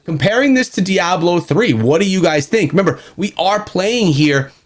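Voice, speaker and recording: A man's voice: sits high, lively intonation, normal speed. A man hosting a gaming video with casual, chatty commentary aimed straight at viewers. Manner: chatty, addresses viewers directly.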